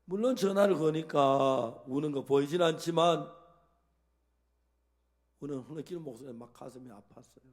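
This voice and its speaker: A man's voice: fairly high pitch, normal speed, pauses often. A man preaching a sermon as a pastor, telling a story and acting out the dialogue in it.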